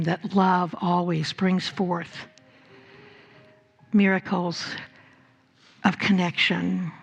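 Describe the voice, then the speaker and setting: A woman pastor leading a guided prayer at a church service, speaking in measured phrases with long pauses between them. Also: fairly low pitch, breathy edge, dull audio. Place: church service before a congregation.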